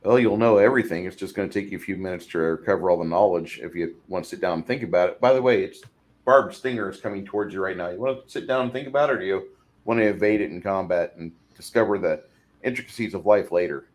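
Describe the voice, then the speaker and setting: Man, from Illinois, low voice, casual podcast chat, rambling. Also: fast talker. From Illinois, USA. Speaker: podcast co-host.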